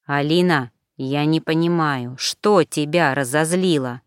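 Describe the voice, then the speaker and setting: A woman reader voicing a tired, bewildered young man who keeps calmly pressing for answers. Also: measured pace, smooth, no room sound, studio quality. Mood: weary. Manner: tired, low-key, insistent questioning. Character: weary bewildered young man, trying to stay calm.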